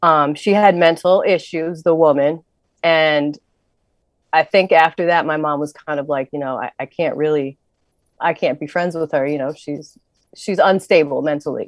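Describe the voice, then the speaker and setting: This woman has a normal speaking voice, fairly low in pitch, with fairly even intonation. She talks at a fairly slow pace, and the sound is dry and close with no echo. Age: 30s. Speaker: grief advocate and author. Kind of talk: casual interview.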